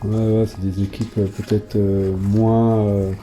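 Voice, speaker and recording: A man's voice: on the low side, flat delivery, slow pace, mellow, faint music behind. A man chatting casually in a vlog, reading off long lists of names with plenty of fillers. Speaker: YouTuber showing his old football card collection.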